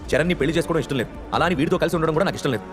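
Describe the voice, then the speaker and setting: Male narrator voicing a proud young woman, sharp, dismissive, high, fast. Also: long reverb tail, music in the background, natural voice. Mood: angry. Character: proud angry young woman, wealthy daughter.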